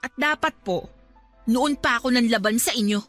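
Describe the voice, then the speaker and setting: A woman's voice: fairly high pitch, normal speed, a bit bright, soft background music, close to an everyday voice. An actress playing a wronged young female employee in a radio drama, indignant and assertive while still polite. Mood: angry, defiant. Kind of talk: Tagalog radio drama acting.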